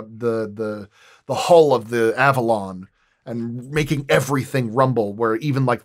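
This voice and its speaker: A man's voice: mid-range voice, fairly bright tone. A man who works as a sound designer, talking casually and in technical detail at a roundtable.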